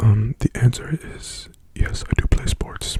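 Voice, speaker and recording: Whispering over noticeable background noise. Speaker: ASMR youtuber. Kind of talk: ASMR Q&A video. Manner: soft-spoken.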